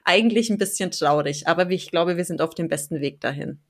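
In a conversational podcast interview, a woman in her thirties from the Allgäu in Bavaria, southern Germany, speaks as a guest; she founded and edits a blog. Her fairly low voice moves fairly quickly, and she comes across as earnest and enthusiastic, laughing easily.

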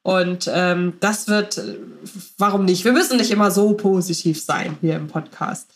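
A woman's voice: fairly low pitch, fairly even intonation, moderate pace. A woman hosting a podcast, moderating a casual discussion and putting questions to her guests. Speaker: podcast host.

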